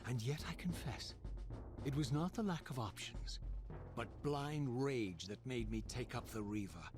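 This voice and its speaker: An actor playing a brooding, vengeful undead spirit warrior, speaking in a grim, bitter, measured way. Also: male voice, mid-range voice, animated, lightly acted. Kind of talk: video game cutscene acting and narration. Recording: game audio with clear music behind.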